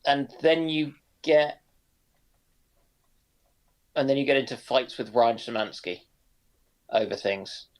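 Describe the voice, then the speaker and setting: A man's voice: mid-range voice, lively intonation, takes it slowly, long pauses. A man commenting in a casual panel chat.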